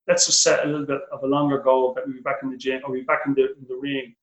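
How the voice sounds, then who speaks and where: Irish boxing coach in an echoey room. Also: male voice, mid-range voice, very fast, dull audio. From Ireland. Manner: animated, repeats words when starting sentences. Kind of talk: interview answers.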